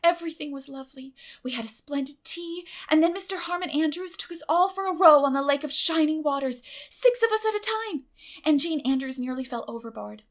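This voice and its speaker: Storybook orphan girl, high-pitched, dramatic, gushing, flowery, imaginative. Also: fairly quick.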